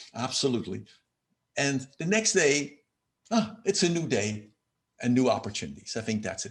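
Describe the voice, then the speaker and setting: A man talks at a fairly quick pace. His voice sounds somewhat breathy. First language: not English. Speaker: university professor. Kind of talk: interview.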